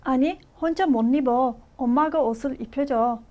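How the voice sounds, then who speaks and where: A woman's voice: sits high, moderate pace, dark tone. A woman student giving short answers in a speaking practice.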